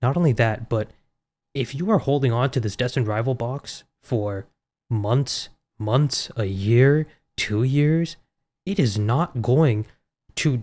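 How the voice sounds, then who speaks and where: Somewhat breathy and medium in pitch, a man speaks with ordinary pitch variation. He leaves long, frequent pauses. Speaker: Pokemon card investing YouTuber. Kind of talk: casual talk to camera.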